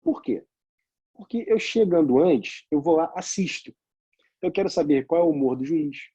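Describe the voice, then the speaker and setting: A Brazilian man lectures on law, spinning a story from his practice and tossing out rhetorical questions. His voice sits a little high yet sounds very dark and husky. The recording is dry and somewhat muffled. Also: animated, normal speed, no echo. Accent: Brazilian Portuguese.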